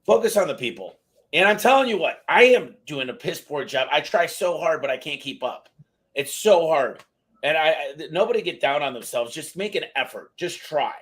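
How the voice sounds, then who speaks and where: A man in his late thirties hosting a casual podcast interview, talking in an energetic, rambling, self-deprecating way with casual slang. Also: fairly high pitch, moderate pace, breathy edge. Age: 30s. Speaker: podcast host.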